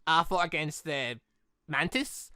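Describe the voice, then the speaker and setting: Male game streamer, crisp and bright, rambling excitably through playthrough commentary. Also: fairly high pitch, unhurried, dry recording, studio quality. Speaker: gaming video host. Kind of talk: playthrough commentary of a visual novel.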